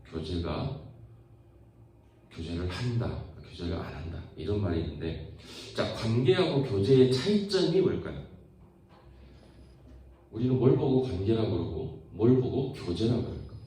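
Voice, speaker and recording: A man's voice: fairly low pitch, measured pace, pauses often, far from the mic. A man preaching to teenagers in a chatty way, often asking the audience questions and acting out family conversations. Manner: acts out family dialogue in lively put-on voices. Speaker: youth preacher. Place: large church hall. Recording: very echoey hall, voice heard from afar.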